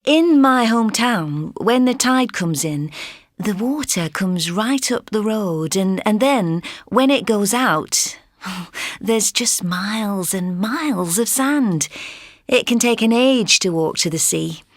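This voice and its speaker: A woman speaks gently and wistfully. Her pitch is mid-range. The sound is dry and close. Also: expressive, slow pace, no room sound. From Yorkshire, England. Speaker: interviewee in a listening exercise.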